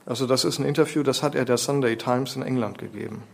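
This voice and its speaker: A man preaching a sermon, lecturing with rhetorical questions and slowing down to stress key phrases. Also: medium pitch, vocal fry.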